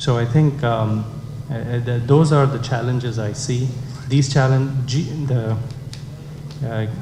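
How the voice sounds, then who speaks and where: Amid noticeable background noise and audible room echo, a man speaks at a medium pitch in a monotone, flat way, fairly slowly and with long, frequent pauses. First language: not English. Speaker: conference panelist. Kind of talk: panel discussion. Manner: halting, many fillers.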